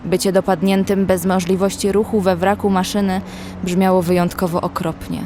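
An actress playing a young woman who survives an apocalypse, narrating in a measured, literary way as an anxious observer. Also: medium pitch, flat delivery, mellow, slight background noise, natural voice. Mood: measured, uneasy. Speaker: narrator and actress in audio drama. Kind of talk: scripted first-person horror story narration. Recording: music under the voice.

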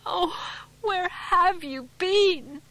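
A woman voicing a frantic farmer's wife who wails high and breathless as she pleads. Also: drawn-out words, bright, forceful tone, full character voice. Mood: distraught.

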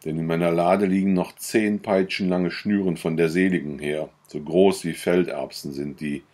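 A man voicing a shrewd old widowed farmer in a storybook reading, speaking deliberately. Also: sits low, fairly even intonation, a little mellow. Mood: measured. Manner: deliberate, measured.

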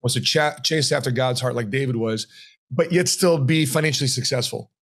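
A middle-aged man, a retirement planner, tells his story as an interview guest, animated and acting out quoted voices, in a home office on a podcast mic. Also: mid-range voice, fairly quick, husky. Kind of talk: interview conversation. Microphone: podcast mic on boom arm.

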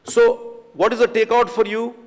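A man's voice: very high voice, little pitch movement, moderate pace, a little mellow. A man in his forties with an Indian English accent, a company chief executive giving an earnest conference keynote from a podium, often saying "you know". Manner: earnest, emphatic business advice, frequent "you know" fillers. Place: large conference hall stage, at a podium. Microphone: podium microphone. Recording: reverberant conference hall.

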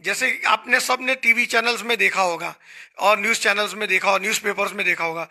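A middle-aged man with an Indian accent appears as a hotel association guest on a talk show, explaining things earnestly into a handheld mic on a small indoor studio set. His voice is high-pitched and sharp, and he speaks fairly quickly.

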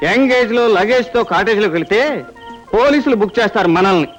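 A man's voice: high-pitched, quick pace, soft background music, close to an everyday voice. An actor playing a joking young man who lectures his girlfriend in a film comedy. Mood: wry. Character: cautious, joking young male lover. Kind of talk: Telugu film comedy dialogue.

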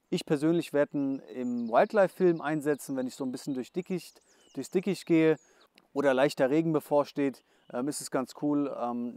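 Man, young adult, mid pitch, dry close sound, casual gear review, many fillers. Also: a little mellow, dry recording. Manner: chatty, many "ähm" fillers, hurried. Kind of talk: casual product review, voice-over then to camera. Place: outdoors at dusk.

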